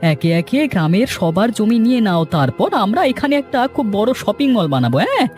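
A man's voice: high-pitched, very animated, moderate pace, darkish tone, faint music behind. A man voicing a greedy, scheming cartoon land broker, pushy and threatening. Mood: gloating, scheming. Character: scheming, greedy male land broker who bullies villagers. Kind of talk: dramatic cartoon voice acting.

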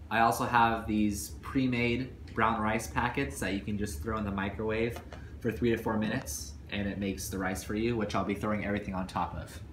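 A young man in his twenties talking casually through a home cooking vlog, explaining each step as he goes. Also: on the low side. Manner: relaxed, explains steps as he goes. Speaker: vlogger. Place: kitchen at home, indoors. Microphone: camera on table. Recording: echoey room with background noise.

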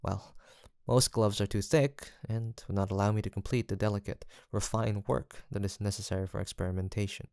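Low-voiced, gentle fantasy apothecary, acted by a man. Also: fairly even intonation, fairly quick, creaky, few pauses, no echo, studio quality. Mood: solemn, determined. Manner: formal, courteous, hesitant, soft-spoken. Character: gentle, earnest, guilt-haunted male apothecary in fantasy village. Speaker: voice actor in an audio roleplay. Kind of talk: soft, sweet roleplay acting addressed to the listener.

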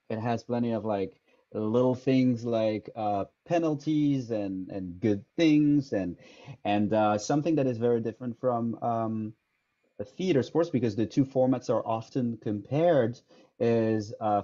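A man from France speaks English with a French accent, in his thirties, talking through a headset on a video call. His voice is dark and mellow. He thinks aloud with frequent fillers and restarts, and the call audio sounds dull and lo-fi. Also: mid-range voice. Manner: thoughtful, hesitant, many fillers and restarts. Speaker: improv teacher. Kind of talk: casual interview answers. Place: small room indoors.

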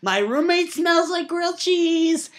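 A man's voice: very high voice, lively intonation, a little slow. A young man playing a miserable, whiny prison inmate in a comedy character sketch. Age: young adult. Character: miserable male prison inmate named Jim. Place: indoors, room at home.

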